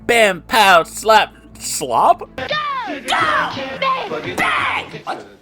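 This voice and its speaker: A man voicing an excitable, combative young woman streamer shouting punchy exclamations in a comic story. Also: extremely high pitch, drawn-out words, over loud music, pitched above the performer's own voice, heavily acted. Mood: excited.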